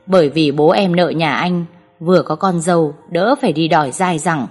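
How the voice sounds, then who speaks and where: Cold young schemer, low and subdued, played by a woman reader. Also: normal speed, breathy edge, soft background music. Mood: cold dismissive. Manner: flat, dismissive, quiet. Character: cold, calculating young village man.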